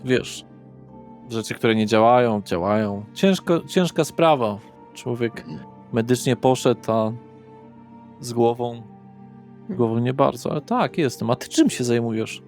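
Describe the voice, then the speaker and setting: A man playing a weary, affable middle-aged father who works as a psychologist, chatty and halting, in a tabletop game. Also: medium pitch, animated, darkish tone, soft background music, natural voice. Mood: friendly, rambling.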